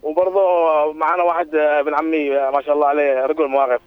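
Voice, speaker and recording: رجل يتصل ببرنامج إذاعي عبر خط الهاتف، يتكلم بسرعة ويتعثر ويعيد بدايات جمله. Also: male voice, a little high, flat delivery, rapid-fire, clear, resonant tone, no room sound. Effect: heard over a phone line. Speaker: radio show caller. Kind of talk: casual call-in chat. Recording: tinny phone line with faint music.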